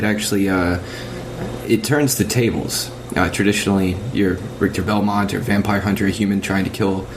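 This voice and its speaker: A man with a fairly low voice discusses games on a casual, analytical podcast, laying out his points in a measured, thoughtful way. The amateur recording sounds dated and has a noisy background.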